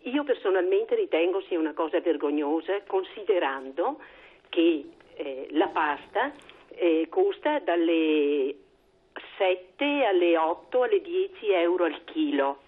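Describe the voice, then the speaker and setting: A woman in her sixties from Veneto, calling in over the phone to a talk show, indignant and halting with many fillers. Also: fairly low pitch, animated, breathy edge. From Veneto, Italy. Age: 60s. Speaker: caller. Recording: tinny phone line.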